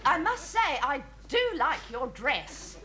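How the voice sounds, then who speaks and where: An actress playing a genteel, prim neighbour, falsely sweet. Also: female voice, sits high, very animated, slow, sharp tone, exaggerated voice. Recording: hissy old TV audio.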